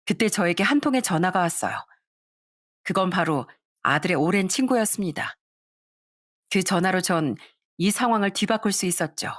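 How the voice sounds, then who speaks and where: A woman narrating a first-person family story in a measured scripted read. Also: on the low side, animated, dry recording, clean studio sound.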